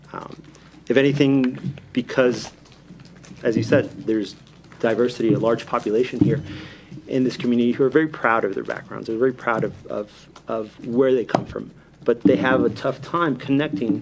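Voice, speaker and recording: With an American accent, a man speaks at a medium pitch and moderate pace, using ordinary pitch variation. He takes long, frequent pauses, and there is noticeable background noise. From Miami, Florida, with some childhood years in Peru. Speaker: trustee applicant. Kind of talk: interview statement at town board meeting. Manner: hesitant, many fillers.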